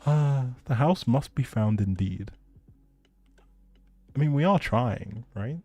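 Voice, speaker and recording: A man's voice: mid-range voice, expressive, slow pace, warm tone, dry recording. A man chatting casually with viewers as a live game streamer, in a laid-back, informal and reassuring way. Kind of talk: casual livestream chat with viewers.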